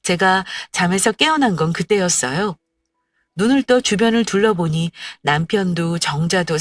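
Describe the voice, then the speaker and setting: A woman narrating a heartfelt first-person story in a plaintive, steady way. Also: fairly low pitch, no room sound. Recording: dry, far from mic, faint music.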